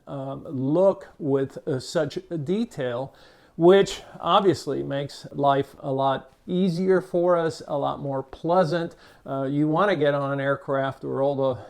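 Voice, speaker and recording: Measured older man with a Cuban-American accent. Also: on the high side, vocal fry, a little mellow. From Cuba, raised in Miami. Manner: measured, unhurried, with many "uh" fillers and small restarts. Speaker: behavior expert, channel host. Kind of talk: reflective talk to camera.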